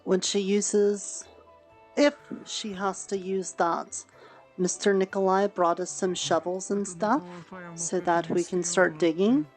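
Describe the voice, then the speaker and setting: A woman's voice: mid-range voice, steady tone, slow, a little mellow, faint music behind. A woman streamer roleplaying in character, motherly and practical as she hands out food and advice.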